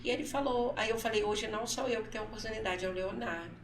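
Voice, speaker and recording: A woman's voice: on the high side, very fast, echoey room, distant mic. A mother telling a personal story in an interview. She acts out her son's words and often repeats herself. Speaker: guest, mother. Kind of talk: emotional personal testimony in interview. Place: council studio.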